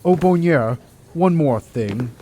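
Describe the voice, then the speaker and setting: A man's voice: a little high, expressive, takes it slowly, background noise. A man playing a formal, firm hospital doctor. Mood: polite. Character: courteous but stern male senior hospital doctor. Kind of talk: amateur audio drama acting.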